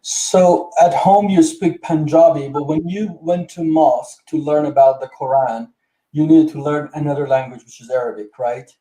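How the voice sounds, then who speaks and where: A man's voice: on the high side, steady tone, moderate pace, dark tone, poor audio. A man interviews a guest, asking hesitant, searching questions and murmuring often as he listens. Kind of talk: conversational interview.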